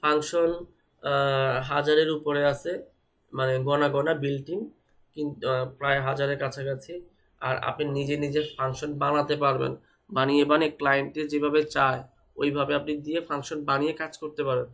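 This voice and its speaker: During a live online coding class on web development, a young man with a fever explains things step by step, repeats words and spells terms out, talking slowly because of the fever. His voice is on the high side and fairly bright, with a flat delivery at a little fast pace.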